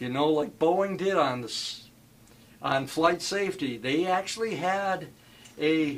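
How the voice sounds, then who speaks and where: A man with an American accent and a high-pitched voice, at a fairly slow pace, with ordinary pitch variation. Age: 70s. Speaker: retired aerospace engineer. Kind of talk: interview. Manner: halting.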